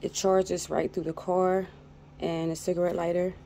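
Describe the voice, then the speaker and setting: A woman's voice: fairly low pitch, little pitch movement, moderate pace, mellow. A woman vlogger giving a casual show-and-tell narration, recorded indoors on a handheld phone. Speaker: vlogger, channel host. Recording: noticeable background noise on phone recording.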